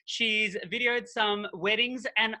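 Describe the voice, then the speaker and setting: A man's voice: high voice, steady tone, slow pace, bright, forceful tone, a little hiss or hum. A man co-hosting a podcast in casual chat, upbeat and enthusiastic. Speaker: podcast co-host.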